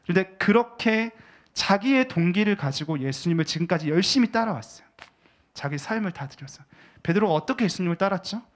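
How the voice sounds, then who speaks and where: A male pastor preaching in a church, with a fairly high voice that rises and falls a lot. He keeps it conversational and often puts questions to the congregation. For emphasis he sinks into a near-whisper. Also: lively intonation, brisk. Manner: drops to a hushed voice for emphasis. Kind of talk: sermon. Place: church sanctuary.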